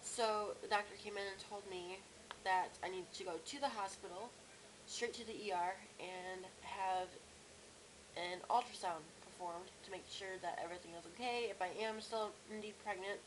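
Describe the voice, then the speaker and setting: A young woman with a cracky, strained voice and sore throat, talking casually and haltingly in a personal video diary. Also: mid-range voice, fairly even intonation. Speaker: vlogger. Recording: clear background noise, room ambience.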